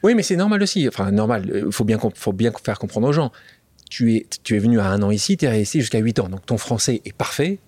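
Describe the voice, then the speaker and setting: Fast-talking male interviewer. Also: lowish voice, big pitch swings, darkish tone, slightly rough, no room sound. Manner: brisk, prompting, finishes the guest's thoughts. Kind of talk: interview questions.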